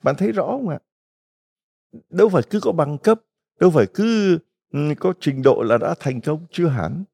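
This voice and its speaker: A man's voice: a little high, lively intonation, normal speed, vocal fry, a little mellow, husky. A middle-aged man, a Catholic priest, giving a folksy retreat homily full of stories and rhetorical questions to the congregation.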